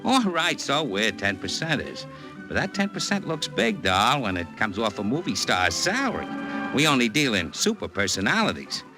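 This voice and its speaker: An actor playing a brash, fast-talking male Hollywood talent agent in a 1940s radio drama, full of slangy patter. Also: medium pitch, huge pitch swings, rough recording. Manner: brash slangy patter, calls listener doll. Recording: old radio transcription with music.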